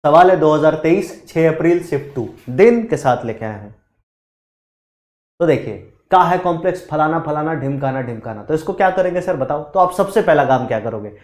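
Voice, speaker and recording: A man teaching a live chemistry class, animated and constantly quizzing his students. His voice sits a bit high for a man, and the room gives it a roomy echo. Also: moderate pace. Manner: animated, quizzing students, mixes Hindi with English terms. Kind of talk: live online lecture. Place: studio classroom.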